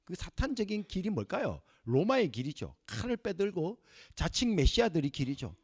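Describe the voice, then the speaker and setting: A middle-aged male professor gives a Bible lecture. His voice sits high and leaps around expressively. He acts out the scenes vividly for the class. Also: big pitch swings, normal speed, slightly rough.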